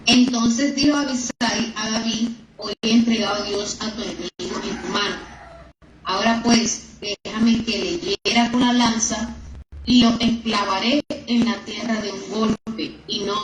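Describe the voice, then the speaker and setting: A woman's voice: fairly high pitch, steady tone, a little slow, reverberant, noisy background. A woman, a student in the class, reading Bible verses aloud carefully and steadily.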